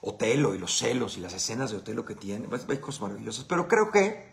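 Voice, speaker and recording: A man's voice: mid-range voice, big pitch swings, quick pace, creaky. Blunt, profane Mexican man chatting. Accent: Mexican Spanish. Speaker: host answering viewer questions. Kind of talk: casual live Q&A chat.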